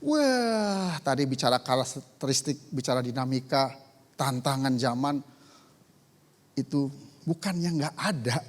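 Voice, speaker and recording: A man's voice: mid-range voice, lively intonation, measured pace. A man preaching a sermon as pastor, moving between conversational asides and emphatic declarations. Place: church sanctuary. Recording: church hall reverb.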